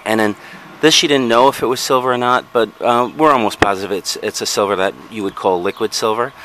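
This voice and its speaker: On a backyard patio, a lower-pitched man speaks a little fast while presenting his resale finds in casual show-and-tell narration, rambling with plenty of ums and self-corrections. Faint outdoor noise and passing vehicles come through his handheld camera mic.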